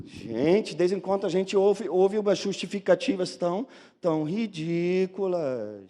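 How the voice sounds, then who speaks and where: A man with another first language preaching a lively sermon as a pastor, acting out the excuses people give. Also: sits high, unhurried, big-room sound. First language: not Portuguese. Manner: animated, acts out excuses of churchgoers.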